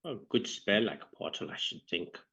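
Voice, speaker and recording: Male tabletop player, casual and questioning, animated delivery, bright raspy voice. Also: fairly low pitch, normal speed. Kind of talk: casual game-table discussion.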